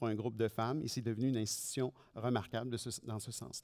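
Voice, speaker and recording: A man's dark, mellow tone over a quiet background. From Quebec. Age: 50s. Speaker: historian and teacher; guest. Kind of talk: interview. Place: stage. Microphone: headset.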